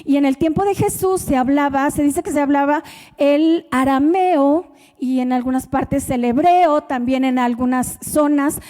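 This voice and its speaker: High, mellow Mexican woman preaching. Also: measured pace. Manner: conversational, asks the congregation questions. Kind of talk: sermon. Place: church. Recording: church hall with long reverb.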